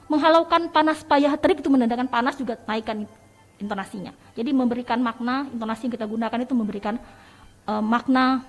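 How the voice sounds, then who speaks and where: A woman teacher giving a radio lesson, explaining step by step and addressing her listeners warmly as children. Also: a little high. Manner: explains step by step, calls listeners "nak" and "sayang".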